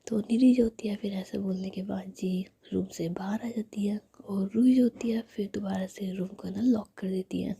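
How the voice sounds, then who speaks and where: Woman, storyteller, hushed whisper, chatty, very breathy, dark. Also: mid-range voice, moderate pace. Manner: steady hushed whisper, chatty filler words.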